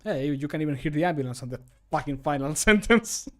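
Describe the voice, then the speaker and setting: A man in his thirties livestreams from a small room at home while recording voice lines for a mod, joking, narrating what he does and swearing lightly. His voice is a little high, fast, expressive and fairly bright.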